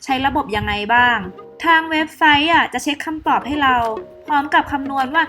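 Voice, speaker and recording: Young woman vlogger, high and bright, chatty tutorial delivery, echoey room. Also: brisk. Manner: chatty, frequent soft polite sentence endings. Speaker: YouTuber giving exam study tips. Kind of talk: casual tutorial vlog. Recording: roomy echo with faint background music.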